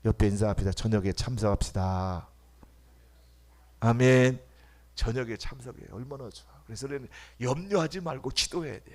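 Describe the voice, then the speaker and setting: A middle-aged male pastor preaching a sermon, dropping to hushed murmurs and then shouting calls at the congregation, acting out the voices he quotes. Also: medium pitch, moderate pace. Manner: acts out quoted voices and drills the congregation with questions.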